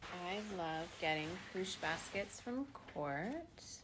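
A soft-spoken woman at medium pitch with light background noise. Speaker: social media poster. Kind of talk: casual talk to camera. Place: home room. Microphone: phone near.

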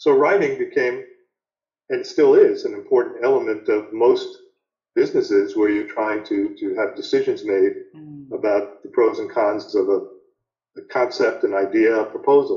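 A man with a New York accent at a moderate pace, some audible room echo over a quiet background. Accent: New York area American. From US Northeast, New York suburbs. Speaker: banking expert and author; interviewee. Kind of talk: interview. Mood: calm, warm, reflective. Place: home room. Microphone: webcam.

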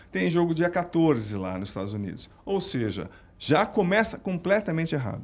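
The speaker moves at a moderate pace with very wide pitch swings. The recording is very clean, with a silent background. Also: man. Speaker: sports journalist. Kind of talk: casual sports talk show.

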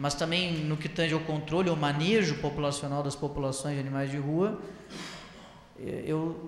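A man with a fairly high pitch keeps a moderate pace while audible room echo fills the space. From Rio Grande do Sul coast (Tramandaí). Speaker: state deputy and veterinarian. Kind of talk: public hearing presentation. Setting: council chamber public hearing. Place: hall. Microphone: handheld.

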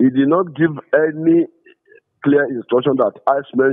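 A man with a Nigerian accent, medium pitch and a moderate pace. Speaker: government security adviser. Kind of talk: news interview. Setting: remote call. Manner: halting.

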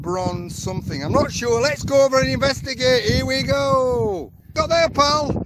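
A man at a moderate pace, dry sound with no echo, loud background noise behind him. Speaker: metal detecting vlogger. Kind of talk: casual vlog chat. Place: open country. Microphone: phone near.

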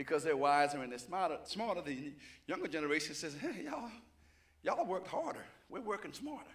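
A man at a very fast pace with lively intonation. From South Carolina. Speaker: preacher. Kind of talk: sermon. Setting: church. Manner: halting. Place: church. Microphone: handheld.

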